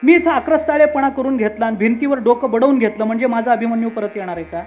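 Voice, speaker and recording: A man voicing Subhadra, a grieving mother who reasons calmly and insistently about her son's death. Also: extremely high pitch, fast. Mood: composed. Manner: composed, reasoning, rising insistence. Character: Subhadra, a calm grieving mother of a fallen son. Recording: muffled with faint instrumental music.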